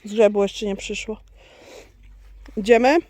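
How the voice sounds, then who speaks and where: A woman's voice: medium pitch, takes it slowly, mellow, no room sound. A woman vlogging outdoors on her farm, chatting to her goats and to her viewers. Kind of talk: casual vlog chat.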